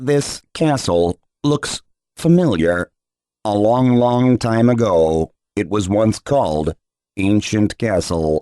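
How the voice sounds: Using a put-on, robotic character voice, a man speaks very slowly at a fairly low pitch against a quiet background.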